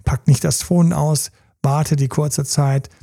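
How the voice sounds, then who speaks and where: A man's voice: fairly high pitch, takes it slowly, gravelly. A man speaking as a sex coach in a conversational advice talk, emphatic and repetitive, often acting out quoted dialogue. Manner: emphatic, repeats key phrases; acts out quoted dialogue in lively voices.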